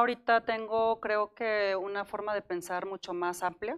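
Against a quiet background, a woman speaks at a moderate pace with ordinary pitch variation, her voice dry and close with no echo. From Mexico, Celaya (Guanajuato). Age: 40s. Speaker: mountaineer. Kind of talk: interview.

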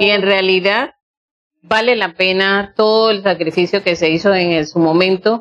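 A woman speaks at a medium pitch with fairly even intonation. Her pace is fairly slow and her loudness very even. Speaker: mother of an athlete. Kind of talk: interview. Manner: halting.

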